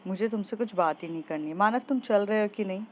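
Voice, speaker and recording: A woman voicing Ahana, a sulky, defiant young woman with sharp retorts, in a slightly dull lo-fi recording. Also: medium pitch, quick pace, slight background noise, close to an everyday voice.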